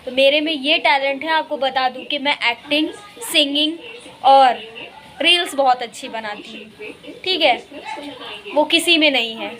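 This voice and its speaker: A woman's voice: sits high, measured pace, bright, forceful tone. A young woman vlogging outdoors in a rainy park, talking defiantly to camera about negative commenters. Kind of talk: casual vlog talk to camera.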